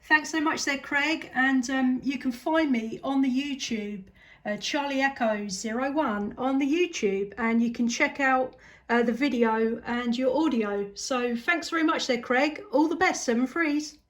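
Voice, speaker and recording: High-pitched southern English woman on CB radio. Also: a little slow, a bit bright. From southeast England. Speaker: amateur CB radio operator. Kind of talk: casual radio contact chat.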